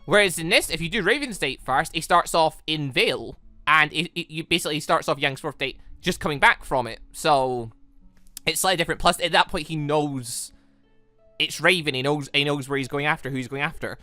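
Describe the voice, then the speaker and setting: Bright, chatty gamer. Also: mid-range voice, brisk, dry recording, soft background music. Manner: chatty, rambling, self-correcting. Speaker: host of a gaming channel. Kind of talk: casual let's-play commentary.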